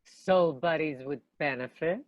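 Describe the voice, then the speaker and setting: A woman's voice: low-pitched, a little slow, no room sound, dull audio. A woman playing a blunt, teasing, self-assured young repair-shop worker in a comedy table read. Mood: playful.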